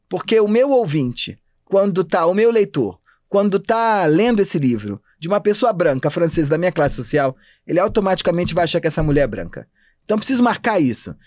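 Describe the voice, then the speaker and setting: A Brazilian man, an anthropologist, talking fast and animated in a casual podcast interview. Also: sits high, dry recording, clean studio sound. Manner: animated, talks fast and thinks aloud. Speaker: anthropologist guest.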